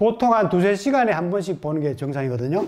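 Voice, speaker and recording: A man talks at a fairly quick pace, and his intonation is lively. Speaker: sex education lecturer. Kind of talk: lecture. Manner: halting, slightly awkward delivery; casual conversational.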